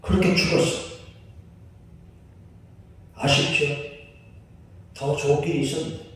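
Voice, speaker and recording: A man's voice: fairly high pitch, flat delivery, measured pace, recorded from a distance, a little hiss or hum. A man preaching a sermon as pastor, in a conversational way, often asking the congregation questions. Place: church sanctuary. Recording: echoey hall, voice picked up from afar.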